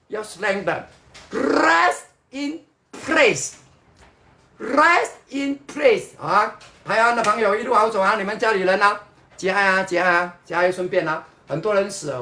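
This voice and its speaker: A man's voice: sits high, sharp tone, echoey room, slight background noise. A man from Singapore with a Singaporean Mandarin accent sprinkled with Hokkien words, mocking his viewers in a livestream chat. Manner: mocking, sarcastic, mixes in Hokkien and English.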